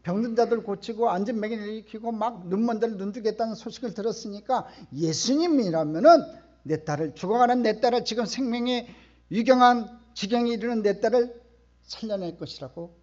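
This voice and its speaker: A middle-aged man preaching a sermon in a church, emphatic and questioning the congregation, often swelling to loud outbursts. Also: high voice, expressive, brisk, lo-fi sound. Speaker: pastor. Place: church sanctuary.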